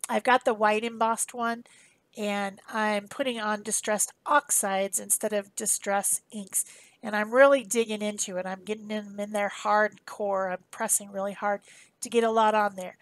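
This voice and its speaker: A woman's voice: medium pitch, flat delivery, moderate pace. Woman doing a chatty craft demo voiceover, pretty informal, explains as she goes, dry sound no room echo. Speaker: craft tutorial host. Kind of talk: casual crafting demonstration voice-over.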